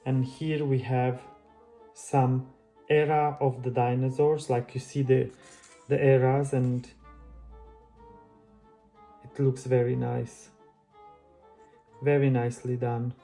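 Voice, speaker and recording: Chatty man with a flat, mellow voice. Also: medium pitch, takes it slowly, creaky, pauses often, soft background music. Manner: friendly, chatty, loose phrasing with restarts. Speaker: book channel host. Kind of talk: casual book flip-through vlog.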